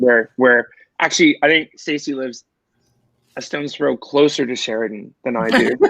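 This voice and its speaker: Loud and bright with a sharp tone, a man speaks at medium pitch and a moderate pace with fairly even intonation. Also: dry, close sound with no echo. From Quebec, Canada. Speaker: marketing consultant. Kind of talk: casual chat.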